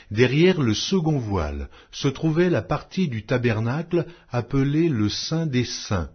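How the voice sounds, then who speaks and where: A man narrating an audio Bible in a solemn, measured, declamatory reading style. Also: fairly low pitch, husky. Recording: dull lo-fi audio.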